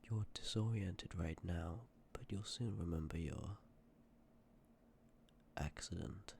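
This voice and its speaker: Man playing a deep, creaky, gentle Death. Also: a little hiss or hum, heavily acted. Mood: gentle, solemn. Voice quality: low, creaky, often dropping to a breathy whisper. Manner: measured, hesitant, politely formal, apologetic. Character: sympathetic, courteous personification of Death, calm and ancient. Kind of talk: ASMR roleplay, scripted acting addressed to listener.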